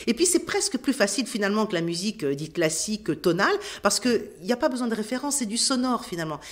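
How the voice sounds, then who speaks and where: A woman talks very fast at a fairly high pitch. Her voice makes very wide pitch swings. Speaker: orchestra conductor and author. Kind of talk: interview. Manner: animated; halting, many fillers and repetitions.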